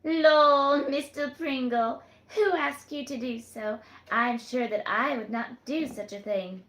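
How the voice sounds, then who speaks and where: A woman's voice: takes it slowly, a bit bright. A woman doing a coy, sing-song young barmaid. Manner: demure, teasing, high and sing-song. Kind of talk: read-aloud storytelling. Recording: roomy echo.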